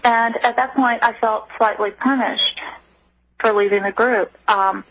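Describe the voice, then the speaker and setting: A woman speaks as a guest on a radio interview, recounting her life with an earnest, halting delivery. Her voice sits a little higher than usual for a woman. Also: fairly even intonation, a bit bright, rough recording. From United States. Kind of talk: personal testimony in a radio interview.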